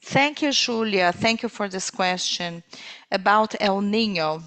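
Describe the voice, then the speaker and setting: A woman interpreting live on a corporate call, speaking in halting phrases with pauses mid-sentence. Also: mid-range voice, fairly bright tone, rough recording.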